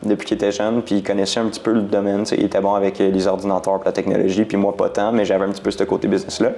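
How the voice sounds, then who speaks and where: A man speaks in a Quebec accent at a fairly low pitch. Noticeable background noise runs underneath. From Quebec, Granby area. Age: 20s. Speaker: online sales entrepreneur. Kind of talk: casual interview chat. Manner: casual, many fillers.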